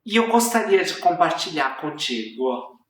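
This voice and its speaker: A Brazilian Portuguese teacher telling a fable to learners in slow, clear narration. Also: medium pitch, big pitch swings. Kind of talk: storytelling lesson for learners. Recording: roomy echo, distant mic, faint ambience.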